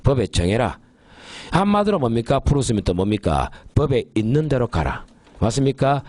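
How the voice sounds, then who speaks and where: A man lecturing on criminal law for an exam course, emphatic and often checking that the class follows, slowing down to dictate key phrases. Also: medium pitch, sing-song, darkish tone, no echo. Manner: emphatic, keeps asking the class to confirm.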